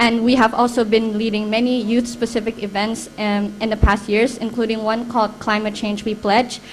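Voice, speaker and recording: A woman speaks at a moderate pace with hardly any pauses, at a fairly high pitch in a monotone, flat intonation. Noticeable background noise is present. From Indonesia, Borneo (Dayak). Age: 20s. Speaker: environmental activist. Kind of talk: panel talk.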